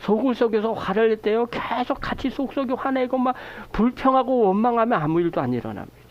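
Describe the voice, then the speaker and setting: Male pastor preaching a sermon in church, voice all over the place pitch-wise, muffled lo-fi audio. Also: fairly quick. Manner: animated preaching, acts out prayers and quoted remarks; asks the congregation rhetorical questions. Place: church sanctuary.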